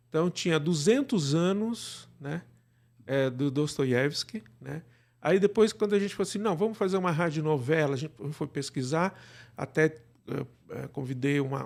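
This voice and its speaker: A man with a Brazilian Portuguese accent speaks in a slightly high register. He is a guest in a live interview, explaining in a conversational way and often checking in with little tag questions. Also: gravelly, a little mellow. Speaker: guest, radio drama producer.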